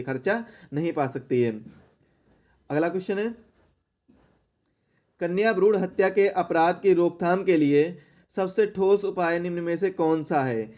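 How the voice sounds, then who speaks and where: High-pitched male exam coaching teacher. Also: darkish tone. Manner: didactic, repeats questions and answers for emphasis. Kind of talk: exam question-and-answer lesson.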